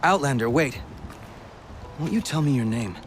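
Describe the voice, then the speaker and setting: An actor playing an earnest, guarded tribal watcher in a video game who speaks gravely. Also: male voice, medium pitch, lively intonation, normal speed, background noise, close to an everyday voice. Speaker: game character. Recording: game cutscene with music.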